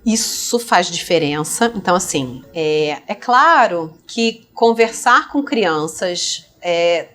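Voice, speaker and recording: A middle-aged Brazilian woman, a speech therapist, explaining child language development in a lively podcast chat. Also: on the low side, slow pace, few pauses. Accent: Brazilian Portuguese. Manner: explanatory, lively, acts out parents and toddlers. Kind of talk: conversational podcast interview.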